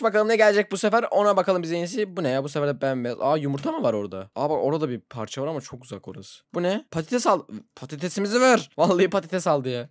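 A gaming YouTuber giving casual let's-play commentary, excitable, laughing often and yelping when startled. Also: mid-range voice, no echo, clean studio sound.

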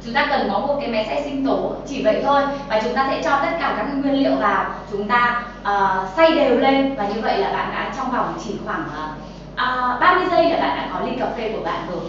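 A woman's voice: a little high, lively intonation, a little fast, heavy reverb, far from the mic, dull audio, noisy background. A young Vietnamese woman presenting a healthy-drink tutorial in a kitchen studio, chatty and full of filler sounds, talking straight to viewers. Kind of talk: cooking and nutrition tutorial. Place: bright kitchen studio set, indoors.

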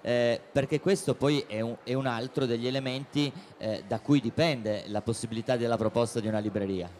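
A man's voice: medium pitch, brisk, a little mellow, a little hiss or hum. A man interviewing a guest at a book fair stand, asking long, chatty questions into a handheld mic.

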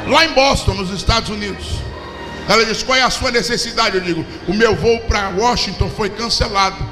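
A man's voice: high voice, normal speed, over music. A man in his forties with a Brazilian Portuguese accent, preaching a sermon on a handheld mic and telling stories with humor. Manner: preaching with storytelling and humor, hand-held mic, animated gestures. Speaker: pastor. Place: large church hall with a packed congregation. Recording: echoey hall with crowd hum.

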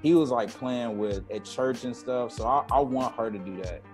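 A man's voice: medium pitch, normal speed, music in the background. A man in his thirties, a guest musician, chatting animatedly on a video call through an earbud headset from a room at home. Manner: animated, scats drum rhythms and freestyles. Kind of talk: casual video-call chat. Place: home room with jazz tapestry and string lights.

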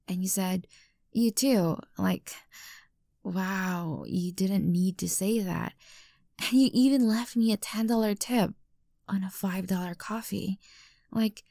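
A woman's voice: mid-range voice, warm tone, no room sound, clean studio sound. A woman playing an obsessive, unstable young stalker girlfriend in an intimate ASMR roleplay, sweet and menacing by turns. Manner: breathy whispers, halting, swinging from coaxing to outbursts. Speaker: voice actor in audio roleplay.

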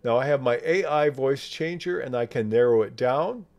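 Male software instructor, medium pitch, measured explanatory delivery for screen walkthroughs. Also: dull audio. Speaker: software tutorial presenter. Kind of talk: step-by-step screen tutorial narration.

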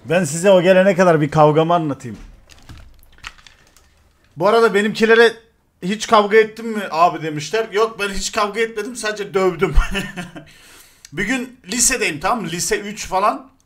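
High-voiced young man telling a story. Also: normal speed, long pauses. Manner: animated storyteller, crude and joking. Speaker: show host. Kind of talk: casual chat.

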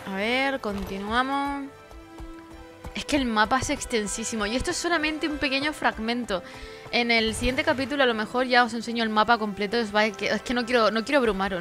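A tired woman chats through her gameplay on a close mic. She swears freely and turns fights into dramatic cries for help, while game music plays clearly behind her. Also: on the high side, a little fast. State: tired, sleepy. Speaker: gameplay streamer. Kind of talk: casual gameplay commentary.

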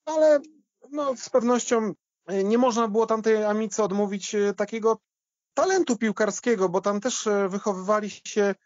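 Higher-pitched man talking football, dry sound. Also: moderate pace, darkish tone, no echo. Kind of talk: conversational sports history discussion. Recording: slightly dull, band-limited audio.

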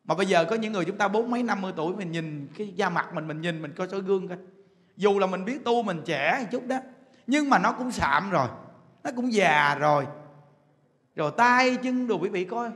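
A man's voice: high voice, expressive, fairly quick, fairly bright tone, big-room sound. A man with a Southern Vietnamese accent giving a Buddhist dharma talk, firing rhetorical questions at the audience, chuckling and drawing out words for emphasis. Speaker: Buddhist preacher. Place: temple hall.

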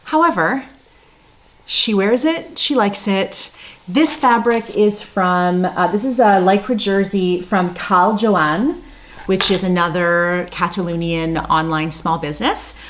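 A woman in her thirties or forties shows off her sewing projects in a relaxed, chatty vlog voice. Her pitch sits in the middle range. She talks with plenty of filler words, makes fun of her own mistakes and laughs often. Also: slow. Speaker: sewing vlogger, mother. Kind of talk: casual show-and-tell chat.

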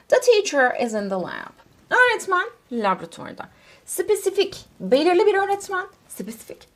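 A woman from Turkey teaching English grammar in a lively, swooping voice that sits a little high. Her tone is somewhat husky. She reads English examples slowly and asks the class questions that she then answers herself.

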